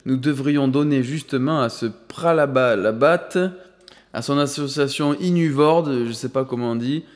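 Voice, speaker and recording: Un vieux patriarche fortuné, exalté et malicieux, lu par un homme, parle avec emphase et fermeté. Sa voix, d'une hauteur moyenne, résonne dans une longue réverbération de salle. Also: male voice, medium pitch, moderate pace, lightly acted. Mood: jovial. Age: older. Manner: enthusiastic, emphatic, playful. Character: exuberant elderly rich grandfather, suddenly generous. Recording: long hall reverb.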